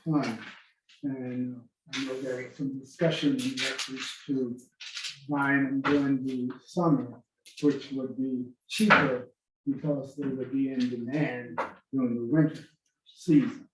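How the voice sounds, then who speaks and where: Slow, muffled older man in an echoey hall. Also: mid-range voice, flat delivery. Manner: halting, formal wording. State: muffled, hard to hear, bass only. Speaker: member of the public giving comment. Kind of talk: public comment at a council meeting. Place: council chamber. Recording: echoey hall, far from mic, faint noise.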